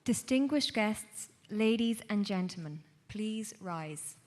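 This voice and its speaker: A woman's voice: medium pitch, expressive, takes it slowly, darkish tone. A woman making formal ceremonial announcements in a large reverberant hall.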